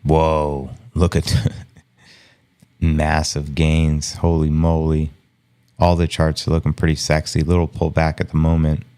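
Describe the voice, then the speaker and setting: Very deep, hushed male stream host. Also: monotone, a little slow, smooth. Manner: hushed and low-key, chuckling often. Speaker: livestream host. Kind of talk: casual live market commentary.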